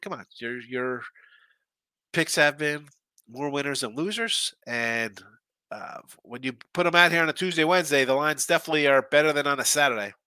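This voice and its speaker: A man with a stuffy, congested nose hosts a live sports betting stream, chatting loosely through viewer comments and picks. His voice is very bright and edgy, and the recording is dry and close with no room sound. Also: a little high, clear, resonant tone, no room sound. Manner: chatty and loose, with frequent restarts and asides. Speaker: sports betting show host.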